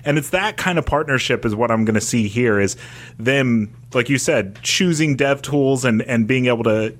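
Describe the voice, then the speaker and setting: A man at a middle pitch co-hosting a podcast panel. He answers questions loosely and casually, slipping in dry jokes with a straight face. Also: normal speed. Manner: dry, deadpan joking. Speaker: podcast co-host.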